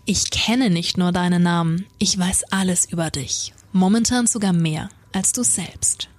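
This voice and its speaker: A woman voicing Death as a calm male shadow figure, speaking low and hushed in a soothing tone. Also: a little slow.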